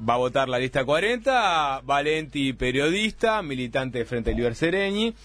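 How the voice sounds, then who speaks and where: A man hosting a radio debate, briskly introducing guests and topics. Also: mid-range voice, big pitch swings, a bit bright, faint music behind. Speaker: host.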